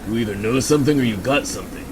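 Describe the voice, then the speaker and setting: A man's voice: medium pitch, noisy background, natural voice. A man playing a suspicious, desperate backwoods drifter with a folksy, accusing manner in an amateur radio drama. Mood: suspicious, taunting. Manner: folksy, accusing, drawn-out taunting.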